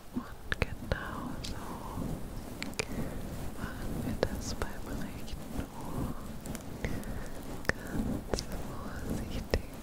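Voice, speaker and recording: Whispering very slowly, a soft-spoken woman leaves long, frequent pauses. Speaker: ASMR creator. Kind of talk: soft-spoken ASMR roleplay. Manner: soft ASMR whisper, close to mic. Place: home room. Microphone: studio mic.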